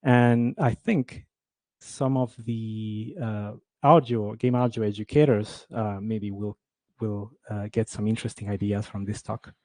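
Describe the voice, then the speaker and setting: A man's voice: on the low side, steady tone, measured pace, a little mellow, dry recording. A man from Ecuador giving a conference talk on game audio, speaking with many fillers and restarts.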